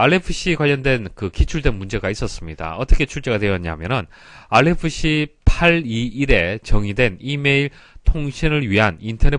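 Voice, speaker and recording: A man's voice: mid-range voice, no echo. A man lecturing as an exam-prep instructor, explaining step by step and repeating key terms for emphasis. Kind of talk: instructional lecture working through past exam questions.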